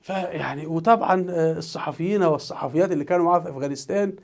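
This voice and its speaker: A man's voice: fairly high pitch, very fast, vocal fry. A man with an Egyptian accent, a teacher telling a news story as commentary and acting out the quoted voices. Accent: Egyptian Arabic. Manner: animated, acts out quoted voices.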